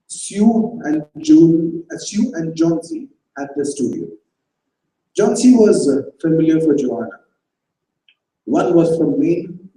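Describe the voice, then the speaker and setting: A man giving a dramatized reading of a short story on a festival stage, in a measured storytelling manner. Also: fairly high pitch, mellow. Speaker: reader. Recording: echoey hall, distant mic.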